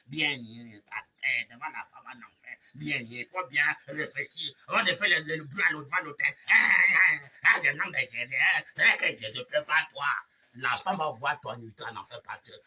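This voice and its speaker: A man preaching a fiery sermon, shouting refrains and dropping to low mutters, with chanting, repeated phrases. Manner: shouts refrains, swings between loud cries and low mutters. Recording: voice heard from a distance from the mic.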